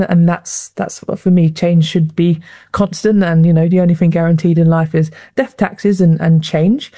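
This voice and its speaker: A woman's voice: lowish voice, dark tone, no echo. A woman with a South London accent, a former rugby player, talking casually in an interview with many repeated words and "like". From South London, England. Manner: chatty, frequent repeated words and "like".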